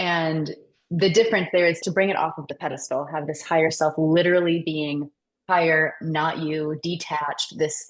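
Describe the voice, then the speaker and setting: The woman's pitch sits very deep and low, her intonation fairly even and her pace moderate. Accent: American. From US South, North Carolina. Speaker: performance coach. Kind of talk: podcast interview.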